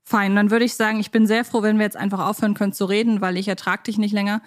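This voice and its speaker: A woman's voice: mid-range voice, flat delivery, quick pace. A woman hosting a podcast in a casual, conversational chat style. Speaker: podcast host.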